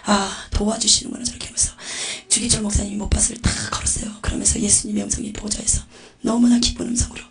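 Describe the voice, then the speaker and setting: A woman's voice: medium pitch, flat delivery, fast talker, gravelly, darkish tone, faint music behind. A woman giving a religious testimony, telling visions in a breathless, vivid way with whispered asides. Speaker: testimony speaker.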